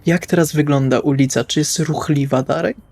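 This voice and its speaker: A man's voice: on the high side, steady tone, brisk, darkish tone. A man playing a tabletop role-playing game, improvising dialogue in a casual, wry, colloquial way. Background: music.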